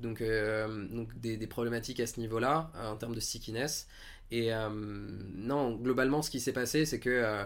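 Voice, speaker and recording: Audible room echo surrounds a man's voice. He keeps a medium pitch and fairly even intonation at a fairly slow pace. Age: 20s. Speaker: startup founder. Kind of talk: interview. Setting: at the host's home.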